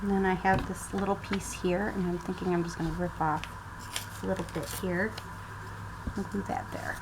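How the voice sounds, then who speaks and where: This craft vlogger speaks slowly at a fairly low, steady pitch while thinking aloud over a casual tutorial at her table at home. Her voice occasionally turns away from the camera's mic, with noticeable background noise.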